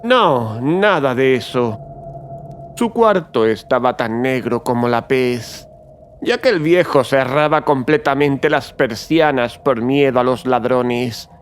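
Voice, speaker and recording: An actor playing a mad, gloating murderer who confesses in a theatrical horror audiobook, swinging between hushed and agitated delivery. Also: male voice, mid-range voice, slow pace, slight background noise, lightly acted. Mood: sly, hushed menace. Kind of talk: dramatic horror audiobook narration.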